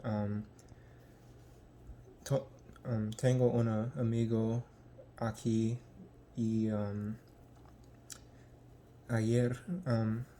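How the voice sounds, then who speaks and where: Young American man, language-learner vlog, halting, slow, mellow voice. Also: fairly low pitch, little pitch movement, slight background noise. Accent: American English. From United States. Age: young adult. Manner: halting, searching for words with many ums. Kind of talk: casual vlog.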